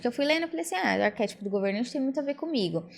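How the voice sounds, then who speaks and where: Lively intonation carries this very fast-paced speech. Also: woman. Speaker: talk show host and mentor. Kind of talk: interview conversation.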